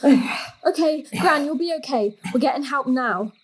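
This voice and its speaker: An actress playing an inquisitive, slightly impatient teenage daughter with a plain-spoken, questioning manner in an audio drama. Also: female voice, high voice, animated, measured pace, rough recording. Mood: urgent.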